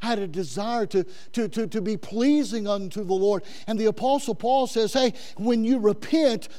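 A man's voice: high-pitched, moderate pace, warm tone. A middle-aged male pastor preaching a sermon fervently, often stumbling into repeated words, with a big voice.

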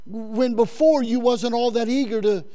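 Fervent high-voiced male preacher. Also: normal speed, dark tone. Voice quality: big voice. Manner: fervent preaching with frequent stammered repeats. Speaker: pastor. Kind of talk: sermon.

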